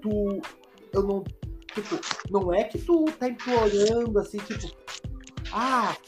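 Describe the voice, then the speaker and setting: A woman's voice: medium pitch, a little slow, soft background music. A woman from Rio do Sul, chatting casually as a podcast co-host, emphatic and repeating her phrases. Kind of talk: casual chat.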